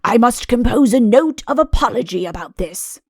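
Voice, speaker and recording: A woman voicing a pompous, fussy fairy-tale king and doting father in a comic audiobook, with mock-innocent, deliberate phrasing. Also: a little high, animated, darkish tone, husky, no room sound, clean studio sound. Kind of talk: audiobook comic character acting.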